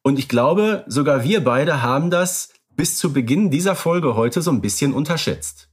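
A man's voice: a little high, animated, moderate pace, husky. A man co-hosting a podcast in casual chat, easygoing and fond of wordplay. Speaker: podcast co-host. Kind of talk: casual chat about radio plays.

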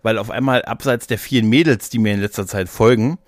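A man's voice: fairly low pitch, quick pace, no echo. A man chatting casually as a podcast co-host, rambling along colloquially with English slang mixed in. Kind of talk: casual chat.

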